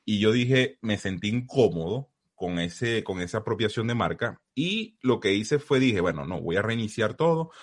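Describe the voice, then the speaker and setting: Deep-voiced Zulian Venezuelan man. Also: animated, normal speed, hardly any pauses. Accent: Zulian Venezuelan Spanish. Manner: earnest, storytelling, uses vos forms. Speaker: podcast guest. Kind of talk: casual interview conversation. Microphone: video call.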